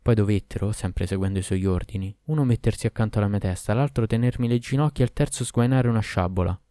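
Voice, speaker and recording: A man reading a classic tale aloud in a measured, expressive way. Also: fairly low pitch, dry recording. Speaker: narrator.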